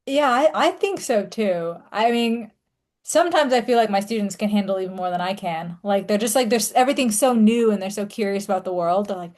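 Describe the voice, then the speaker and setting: A woman hosts a conversational interview podcast. Her phrasing is informal and unscripted, often padded with "like". She speaks at an ordinary middle pitch. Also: fairly quick, a little mellow. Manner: informal, peppered with "like". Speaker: podcast host. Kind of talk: casual interview chat.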